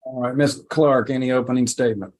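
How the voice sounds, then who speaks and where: A male judge with a mid-pitched voice presides over a hearing in a courtroom recording. He moves through procedure with short prompts and plain questions. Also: fairly even intonation, a little fast, darkish tone.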